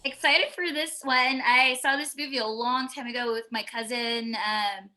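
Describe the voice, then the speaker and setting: A woman with a very bright, fairly high voice chats casually over a video call. She tells stories in an animated, slangy way and drops in swear words without fuss. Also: normal speed, rough recording. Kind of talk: casual group chat.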